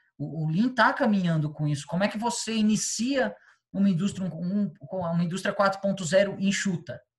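At a moderate pace, a man speaks with high pitch. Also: ordinary pitch variation. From São Paulo, Brazil. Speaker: Lean process specialist. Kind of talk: interview.

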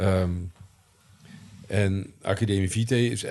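Against a quiet background, a man with a Dutch accent speaks in a dark, mellow tone at a fairly low pitch, his intonation flat and monotone. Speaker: economics professor. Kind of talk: interview. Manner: hesitant, many fillers.

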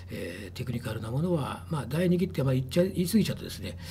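This man's dark, mellow voice carries vocal fry and very wide pitch swings. Audible echo from the room surrounds it. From Tokyo, Japan. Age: 50s. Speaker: company executive. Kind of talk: interview. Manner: hesitant, many fillers.

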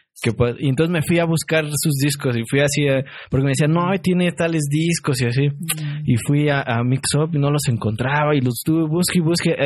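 A man with a Mexican accent talks at a fairly quick pace and fairly high pitch. His voice is somewhat breathy, with fairly even intonation and very even loudness. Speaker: podcast co-host and musician.

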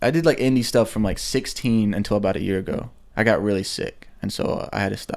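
A man talks at a fairly quick pace with an unremarkable speaking voice. His pitch sits fairly low and varies in an ordinary way. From US South, upstate South Carolina (Simpsonville). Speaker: actor and former pro wrestler. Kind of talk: casual chat.

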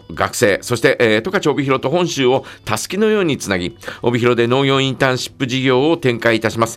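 A man with lively intonation, medium pitch and a fairly quick pace, with music in the background. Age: 60s. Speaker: radio host. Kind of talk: radio segment hosting. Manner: formal.

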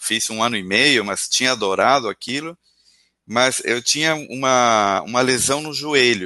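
Against a quiet background, a man speaks fairly slowly. His medium-pitched voice has a bright, sharp tone. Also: ordinary pitch variation. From Argentina. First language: Spanish (speaking Portuguese). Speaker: entrepreneur and podcaster. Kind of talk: interview. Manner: hesitant with many repetitions.

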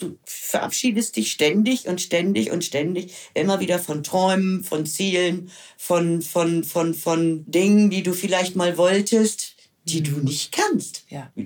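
Speech unfolds very slowly, its pitch rising and falling in an ordinary way. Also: woman, fairly low pitch for a woman. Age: 60s. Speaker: patient with bipolar disorder. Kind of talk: interview. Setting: in person, seated together. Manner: halting, repeats words.

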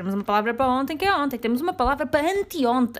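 A high-pitched woman with a European Portuguese accent speaks at a very fast pace in an animated tone. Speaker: podcaster. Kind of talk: casual monologue.

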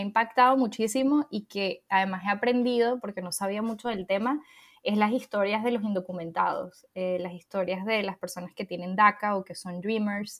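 The pace of a woman's speech is moderate. She keeps her intonation fairly even. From Venezuela. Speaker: podcast host and educator. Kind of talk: casual interview conversation.

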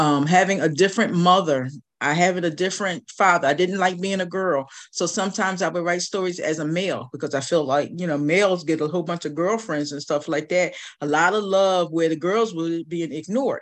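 A plain, everyday voice from a woman, fairly low in pitch, at a fairly quick pace with ordinary pitch variation against a quiet background. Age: 60s. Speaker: playwright and author. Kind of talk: interview.

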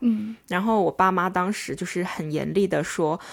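With a normal speaking voice at medium pitch, a woman talks at a moderate pace and with ordinary pitch variation. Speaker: podcast co-host, journalism student. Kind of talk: casual chat. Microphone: new microphone.

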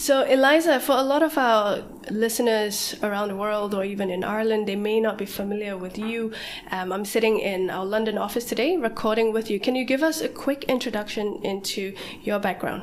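At a fairly quick pace, the voice moves with ordinary pitch variation over noticeable background noise. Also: woman, fairly high pitch for a woman. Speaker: podcast host. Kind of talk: interview. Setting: studio.

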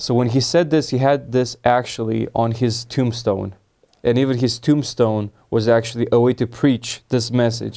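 A man talks at a fairly slow pace with fairly even intonation. His tone is dark and mellow. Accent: Romanian. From Romania. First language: Romanian. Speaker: podcast host. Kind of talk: interview.

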